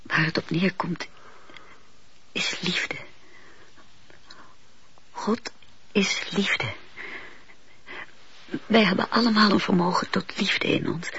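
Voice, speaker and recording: An actress playing a tender, earnest, fearful wife in a radio play, pleading in a halting, breathy way. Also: female voice, medium pitch, a bit bright, exaggerated voice. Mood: tender, fervent. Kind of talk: Dutch radio play acting. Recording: dull, noisy old radio play tape.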